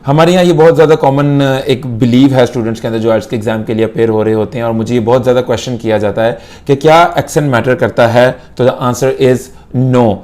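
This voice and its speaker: A man's voice: mid-range voice, fairly even intonation, brisk, few pauses, darkish tone. A young Pakistani man, an IELTS instructor, gives a lesson to camera in Urdu mixed with English and repeats key points for emphasis.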